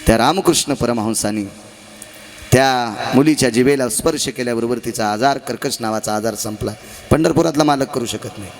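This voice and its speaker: Speaking a little fast, this man preaches a devotional kirtan sermon full of dramatic storytelling and sudden changes in loudness and pitch. Rhetorical questions go out to the crowd, and some phrases lengthen into a half-chanted song.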